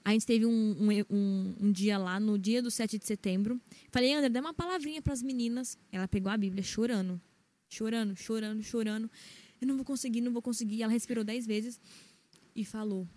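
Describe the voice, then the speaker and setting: A woman's voice: medium pitch, fairly quick, darkish tone. A woman with a Brazilian Portuguese accent, co-hosting a casual Christian podcast and speaking emphatically to the listeners. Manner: emphatic, speaks directly to the audience. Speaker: podcast co-host.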